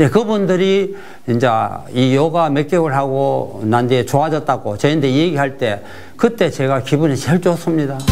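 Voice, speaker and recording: The pitch of this man's voice swings very widely. He speaks at a moderate pace. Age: 80s+. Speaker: yoga instructor. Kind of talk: interview.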